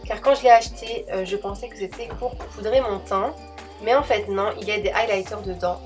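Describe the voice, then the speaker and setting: A young woman talks through her makeup routine in a chatty, enthusiastic voice-over. Her voice sits at an ordinary middle pitch. Quiet music plays beneath her. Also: fairly quick. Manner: chatty, enthusiastic, addresses viewers as girls. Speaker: beauty vlogger.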